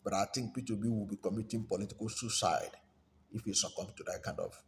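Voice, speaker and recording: A man with a Nigerian accent giving unscripted political commentary in a halting, deliberate manner, often rephrasing himself. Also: fairly low pitch. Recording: steady background noise, room ambience.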